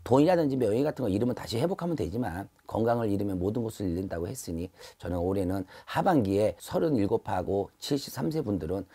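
Middle-aged male shaman, husky and mellow, steady advisory delivery with frequent fillers, close lapel-mic sound. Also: on the low side. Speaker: shaman fortune teller. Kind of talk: fortune reading talk to camera. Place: shrine room with altar, indoors.

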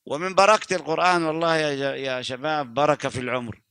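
A man's voice: a little high, fairly even intonation, fast, a bit bright, clean tone, dry recording. An older man and Quran reciter giving a religious talk, reciting verses, fervent and stumbling into restarts. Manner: fervent, many restarts and stammers.

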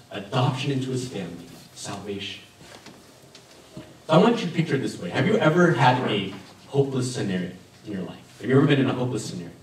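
A man's voice: medium pitch, a little hiss or hum. Man in his thirties, pastor, conversational sermon, very echoey church hall, picked up from a distance. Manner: animated, conversational, gesturing at a lectern. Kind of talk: sermon with personal story. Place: church sanctuary with stained glass, indoors. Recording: very echoey room from far off.

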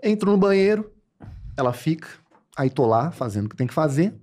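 A man's voice: a little high, sing-song, brisk, background noise. A man, a podcast guest, telling a story casually and acting out the quotes with animation.

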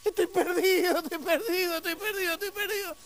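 A man's voice: extremely high pitch, steady tone, brisk, fairly bright tone, pitched above the performer's own voice. A man voicing a desperate lost man on a boat, pleading and repeating himself. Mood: wailing.

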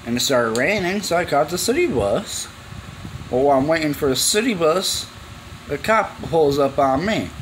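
Filming in a cluttered garage, a young man vlogs a rambling, slangy, informal story, performing the quoted back-and-forth as he goes. His voice is a little high and expressive, at a normal speed, with slight hiss or hum in the audio.

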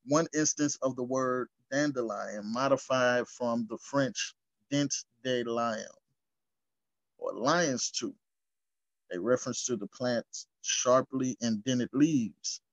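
A man hosting a history channel, reading source texts aloud and explaining them, slow and deliberate, stumbling over long words and adding casual asides. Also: medium pitch, dry recording. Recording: dull lo-fi recording.

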